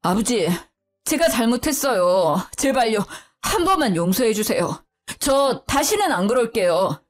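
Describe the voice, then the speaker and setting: A woman voicing a cowardly young husband who pleads slowly, in a spoken story. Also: fairly high pitch, sing-song. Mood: pleading.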